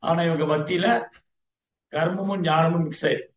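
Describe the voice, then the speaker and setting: A man delivers a devotional lecture in a storytelling manner, dropping English words in as he goes. His voice sits high for a man. The room around him is echoey. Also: steady tone, moderate pace. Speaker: Vaishnava teacher.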